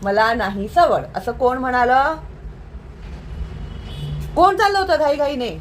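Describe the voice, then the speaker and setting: A woman's voice: high voice, very animated, a little hiss or hum. Patient, singsong woman teacher. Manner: patient, slow and singsong, checking understanding often. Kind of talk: Marathi lesson for young children.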